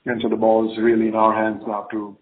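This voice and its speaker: A man's voice: on the low side, completely flat delivery, quick pace, slight background noise. A man speaking as a company executive on an earnings call, answering questions in a confident, emphatic way and often tagging phrases with "right?". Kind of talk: earnings call Q&A, spontaneous business talk. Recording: narrow, phone-like conference call line.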